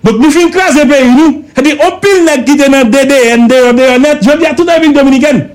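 A man's voice: extremely high pitch, fast. A man with a Haitian accent giving impassioned political commentary in a radio studio, emphatic and repetitive, driving points home with rhetorical questions.

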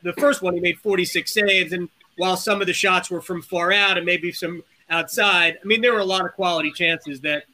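A man's voice: sits high, fairly even intonation, a little fast, hardly any pauses, sharp tone, rough recording. A man hosting a podcast, chatting eagerly with lots of fillers as he sets up questions. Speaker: podcast host. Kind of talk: casual podcast conversation.

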